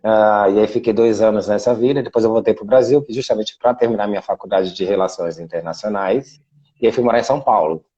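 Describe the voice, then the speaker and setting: Low dark-voiced Brazilian man, lo-fi. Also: a little fast, husky. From Brazil (Salvador, Bahia). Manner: explanatory, many fillers like "né". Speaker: guest, international relations specialist. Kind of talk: casual video interview. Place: Portugal.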